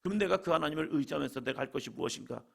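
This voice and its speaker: A middle-aged man preaching a sermon as pastor, reading scripture slowly and building to emphatic calls. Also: fairly high pitch, creaky, fairly bright tone.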